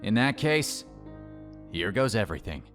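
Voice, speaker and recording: A performer playing a self-assured young tycoon in a fan audio drama, low and clipped, with a pitch that swings widely as he talks. He sounds proud and used to command, in a voice with an unusual, distant-sounding tone. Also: sing-song, normal speed, over music, close to an everyday voice. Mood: calm. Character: proud young man, cool-headed company head.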